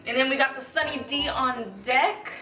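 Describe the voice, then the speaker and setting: A woman's voice: high-pitched, fairly even intonation, normal speed. An American woman casually reviewing food for a vlog, chatting informally with plenty of slang. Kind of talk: casual chat while tasting food on camera. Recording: roomy, off-mic, music behind.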